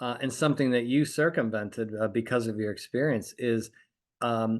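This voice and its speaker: Against a quiet background, a man speaks at medium pitch and a moderate pace with fairly even intonation. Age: 50s. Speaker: podcast host, litigation psychologist. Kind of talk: interview podcast. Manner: halting, many fillers and repeats.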